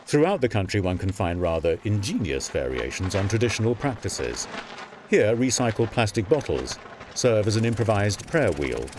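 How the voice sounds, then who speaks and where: A man reading polished scripted narration for documentary and promotional films. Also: fairly low pitch. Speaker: voice-over artist.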